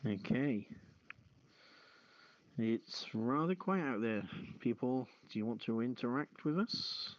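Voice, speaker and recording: A man hosting a live voice-chat show, reading items aloud and chatting to listeners in a halting way. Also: medium pitch, lively intonation, a little hiss or hum. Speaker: host. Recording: dull lo-fi voice-chat audio.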